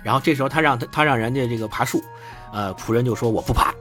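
Quick, lively man retelling a story. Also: faint music behind. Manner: lively, acts out dialogue with shifting pitch. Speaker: podcast host retelling a story.

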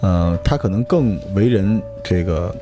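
A man, co-hosting a podcast and explaining his points in a measured, thoughtful way. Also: sits low, expressive, music in the background. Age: 40s. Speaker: podcast co-host. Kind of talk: casual podcast chat.

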